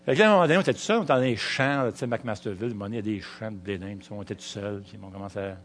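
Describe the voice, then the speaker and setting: A middle-aged man with a Quebec French accent, preaching a sermon, weaving in personal stories and slowing down to stress key words. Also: lowish voice.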